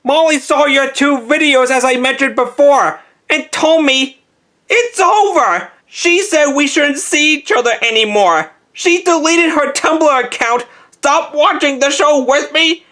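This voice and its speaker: Brief: woman playing a moping boy superhero, high bright voice, slow halting confession. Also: lively intonation. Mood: confessional. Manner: mopey, halting, rambling confession. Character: young male superhero, gloomy and self-blaming. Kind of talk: amateur fan-film voice acting.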